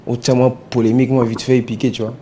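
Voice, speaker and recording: Man, musician guest, relaxed and hesitant, mid-pitched voice, faint hiss behind. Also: quick pace. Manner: relaxed, hesitant, mixing in Lingala words. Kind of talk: casual interview talk.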